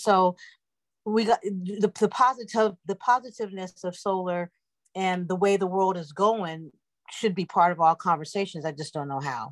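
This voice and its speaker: With an American accent, a woman speaks at a moderate pace and medium pitch in a plain, everyday voice. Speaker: meeting participant. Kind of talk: casual chat. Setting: video call.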